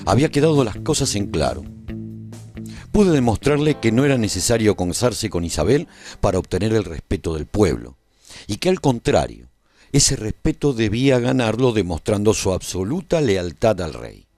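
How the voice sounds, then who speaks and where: Man acting as deep, solemn storyteller, expressive intonation. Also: dry recording. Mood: solemn, reflective. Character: earnest, reflective man recounting his life at a royal court. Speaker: narrator. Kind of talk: scripted radio serial narration.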